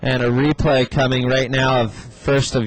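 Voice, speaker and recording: Over noticeable background noise, a man with an American accent speaks with fairly even intonation. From Southern California. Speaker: surf commentator. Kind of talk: live commentary. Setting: commentary box.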